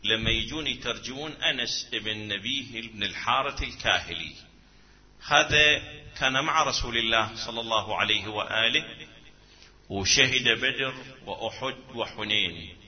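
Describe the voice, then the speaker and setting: A man's voice: medium pitch, moderate pace, slight background noise. A man preaching a mourning sermon, his delivery lamenting and half-chanted. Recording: lo-fi recording with long hall reverb.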